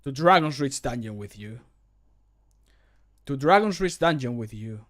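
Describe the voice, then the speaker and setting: A man voicing a stern, authoritative guard from a fantasy game, speaking in a measured, commanding way. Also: medium pitch, animated, a bit bright.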